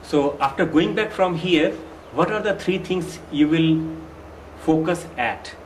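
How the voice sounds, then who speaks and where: Man as interviewer, slightly high voice, slow, probing questions, faint room hiss. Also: poor audio. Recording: faint background noise.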